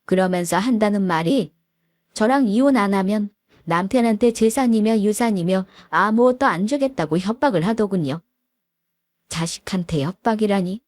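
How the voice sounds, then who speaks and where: A woman's voice: medium pitch, expressive, moderate pace, a little mellow, no room sound, clean studio sound. A woman in her thirties narrating a first-person story in a confiding way, asking the listener questions.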